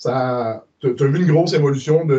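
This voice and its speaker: A man with a Quebec accent speaks in a medium pitch and a dark, mellow tone, his intonation fairly even. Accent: Québécois French. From Quebec, Quebec City area. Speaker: pro wrestler. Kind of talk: interview. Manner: hesitant, many fillers.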